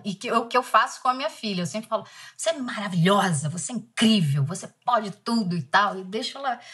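A Brazilian woman in her forties, an actress speaking in an interview and recalling a painful family memory in a reflective, soft manner. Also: medium pitch, slightly rough. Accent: Brazilian Portuguese. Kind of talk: emotional interview talk.

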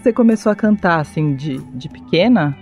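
A woman's voice: fairly low pitch, lively intonation, a little fast, a little mellow, faint music behind. Woman hosting a radio interview. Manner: chatty, asks short questions and tells anecdotes. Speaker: interviewer and host.

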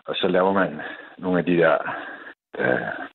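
A man's voice: sits low, creaky, husky. A man calling in to a radio show, hesitant and self-deprecating, with many fillers. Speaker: caller. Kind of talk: call-in radio chat. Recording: tinny phone line.

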